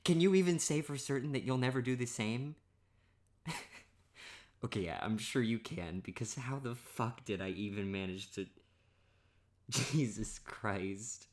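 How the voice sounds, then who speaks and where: A man speaks in a hushed, intimate boyfriend-roleplay monologue. He is playful and self-mocking, teasing and laughing at his own story in a soft voice. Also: medium pitch, unhurried, long pauses.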